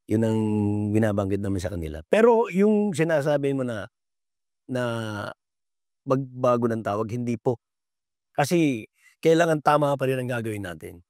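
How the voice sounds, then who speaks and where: Older male guest, earnest and polite, hesitant delivery, mid-pitched voice, dry studio mic. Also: animated, darkish tone, dry recording. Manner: earnest, polite, halting with many pauses and fillers. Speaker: veteran basketball referee, guest. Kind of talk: casual interview answers.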